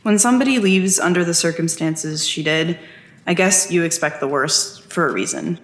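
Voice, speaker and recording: Man playing guarded skeptical man, high-pitched, blunt, plainspoken, audio drama, roomy echo. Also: normal speed, a bit bright, natural voice. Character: blunt, wary nephew seeking his lost aunt. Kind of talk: scripted audio drama dialogue. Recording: echoey room.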